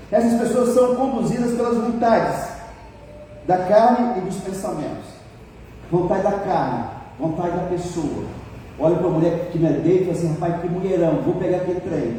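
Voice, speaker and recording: An older pastor with a Brazilian accent delivers a folksy, teasing sermon and keeps asking the congregation to answer him. His voice sits high yet sounds mellow. It reaches the mic from far off through a long, echoing hall with faint noise behind. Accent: Brazilian Portuguese. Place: church hall.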